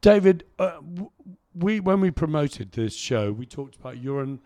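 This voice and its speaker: A middle-aged man hosting a conversational radio interview, with halting, self-correcting phrasing. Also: on the high side, sing-song, dark tone. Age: middle-aged or older. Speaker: radio host.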